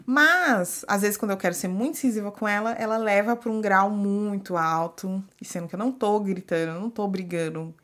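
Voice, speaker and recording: A woman in her thirties from Brazil, a podcast host and mother, chatting casually and animatedly, acting out what other people say. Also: mid-range voice. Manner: animated, expressive, acts out quoted people. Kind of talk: casual chat.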